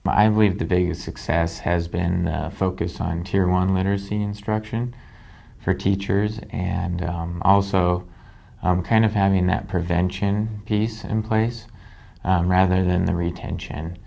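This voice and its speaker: A man with a very deep, gravelly voice speaks in a dark, mellow tone. He hesitates often and fills his pauses. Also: steady tone. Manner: hesitant, many fillers. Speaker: educator. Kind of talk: interview answer.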